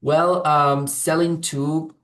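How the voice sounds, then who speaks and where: A man's voice: on the high side, little pitch movement, slow pace, fairly bright tone, far from the mic. A man who grew up in Saudi Arabia and whose first language is Arabic, answering interview questions hesitantly, with many fillers and restarts. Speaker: program client, English teacher.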